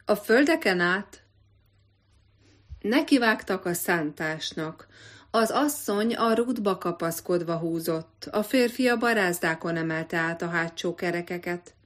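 A woman narrating an audiobook in a measured, expressive literary reading. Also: lowish voice. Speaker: audiobook reader.

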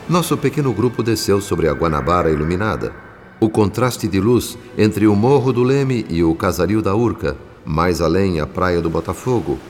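A man with a Brazilian accent playing a solemn, reflective spirit narrator in a scripted radio drama. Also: low-pitched. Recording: long reverb, music behind.

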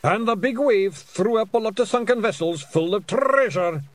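A man voicing a polite, solemn little fairy man with a measured delivery. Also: high voice, animated, no echo, pitched above the performer's own voice. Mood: earnest.

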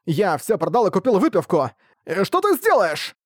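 A man voicing a drunk, whiny male pig merchant who squeals his complaints in shrill outbursts. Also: wildly swooping pitch, normal speed, no room sound, studio quality, exaggerated voice. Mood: ranting.

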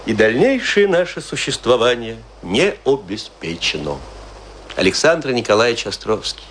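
An actor in a radio play monologue, playing a tipsy, self-pitying provincial actor who declaims and muses aloud. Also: male voice, medium pitch, big pitch swings, moderate pace, fairly bright tone, slight background noise. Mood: wry, confiding. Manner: declamatory, musing aloud, swinging between grand and intimate.

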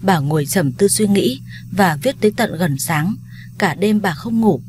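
A woman narrating a family drama story in a steady, somber scripted telling. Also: mid-range voice, a little slow, slight background noise.

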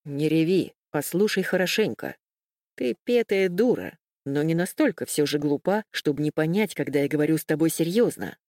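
A woman's voice: sits low, expressive, moderate pace, a little mellow, no echo, clean studio sound. A woman voicing a stern, scornful young man who berates and threatens in a commanding tone. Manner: harsh, commanding, contemptuous.

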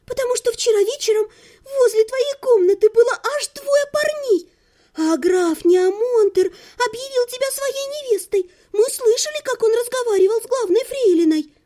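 A naive young noblewoman gushes in a very high, sing-song voice, as a woman narrator puts her on. She chatters breathlessly, her pitch leaping all over the place. The tone is warm and mellow, an audiobook character read aloud. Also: lively intonation, moderate pace. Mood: gushing.

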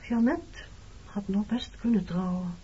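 A woman's voice: medium pitch, unhurried, mellow, husky. An actress playing a wounded, reproachful married woman in a Dutch radio play, speaking frankly about her past. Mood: bitter, subdued. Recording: dull, muffled old radio recording.

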